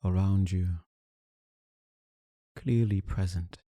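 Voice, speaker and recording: A man leading a guided meditation, calm and soothing, speaking in deliberate short phrases with long pauses. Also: low voice, dry recording. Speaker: meditation teacher.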